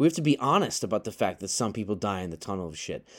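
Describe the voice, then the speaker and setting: Speaking at a very fast pace with vocal fry, a man comes through on a very clean recording with a silent background. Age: 40s. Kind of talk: monologue.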